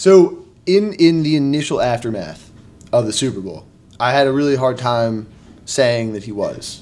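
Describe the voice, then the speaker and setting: Speaking at a moderate pace in a medium pitch, a man makes very wide pitch swings and big swings in loudness, with audible room echo around him. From US Northeast, tri-state area. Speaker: medical resident. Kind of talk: casual chat. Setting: studio.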